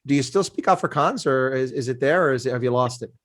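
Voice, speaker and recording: A man's voice: mid-range voice, quick pace. A middle-aged man hosting a casual sports interview, asking long, rambling questions. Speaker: interview host.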